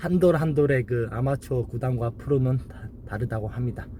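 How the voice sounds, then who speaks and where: With a medium pitch and fairly even intonation, a man talks at a moderate pace. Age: 40s. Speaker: used car dealer and mechanic. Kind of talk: casual self-introduction monologue.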